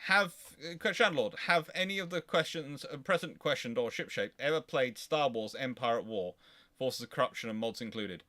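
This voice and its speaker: A man's voice: medium pitch, animated, normal speed, pushed and bright. A man hosting a casual, rambling livestream chat, talking in a chatty, digressive way and breaking off mid-thought. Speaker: host of a naval history livestream.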